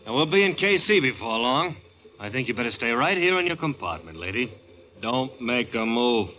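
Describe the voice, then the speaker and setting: A menacing American jewel thief from an old radio crime drama. His slangy, sarcastic voice is forceful and bright, with lively swings in pitch, on a noisy vintage recording. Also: moderate pace, muffled recording. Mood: smug, threatening.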